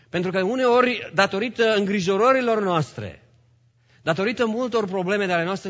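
A man preaching a sermon in a church, swinging between loud calls to the congregation and hushed, low lines. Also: breathy edge. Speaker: pastor. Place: church hall. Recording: long hall reverb, dull lo-fi sound.

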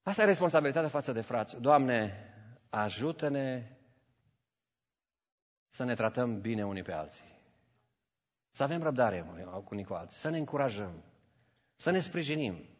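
A man's voice: mid-range voice, pauses often. A man preaching a sermon, telling stories and acting out the voices in them, with English phrases mixed into his preaching. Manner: animated storytelling, acts out voices in anecdotes. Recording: dull audio with long church reverb.

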